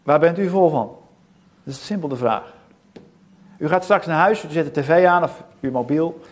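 A middle-aged man delivers a sermon in a church, his voice sitting a little high for a man. He speaks earnestly and puts rhetorical questions to the congregation. He pauses between short phrases. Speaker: preacher. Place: church hall.

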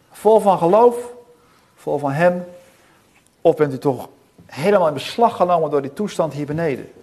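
A middle-aged man preaching a sermon in a church. He speaks earnestly, with frequent rhetorical questions and pauses between phrases. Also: fairly high pitch, darkish tone. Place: church hall.

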